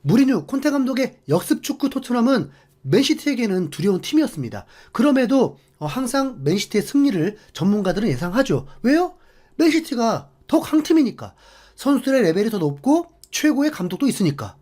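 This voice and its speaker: Man, football channel host, scripted commentary narration, voice-over, animated pitch, casual fillers. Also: fairly quick. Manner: animated, filler-heavy explanatory talk.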